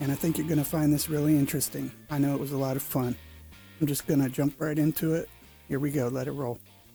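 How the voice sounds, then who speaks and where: Over music in the background, a man speaks at a very fast pace and a fairly high pitch with monotone, flat intonation. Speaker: podcast host. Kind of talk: podcast intro.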